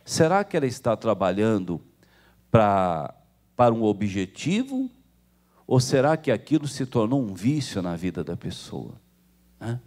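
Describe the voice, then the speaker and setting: A man with a Brazilian Portuguese accent, preaching a sermon as pastor and acting out the people he quotes. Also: measured pace. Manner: animated, acts out quoted people with jumps in pitch.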